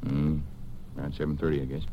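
An actor playing a folksy, defensive Texas rancher in a 1950s western radio drama. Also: male voice, extremely low pitch, level tone, fast talker, muffled recording. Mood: hesitant, defensive. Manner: folksy, hesitant explaining that turns indignant. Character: touchy, defensive Texas rancher, adult man. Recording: noisy old-time radio recording.

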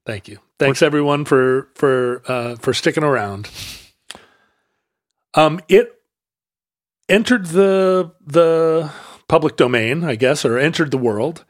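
Man talking in halting restarts. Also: on the high side, no echo, studio quality. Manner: halting, many restarts and fillers. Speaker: podcast co-host. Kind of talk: casual conversation.

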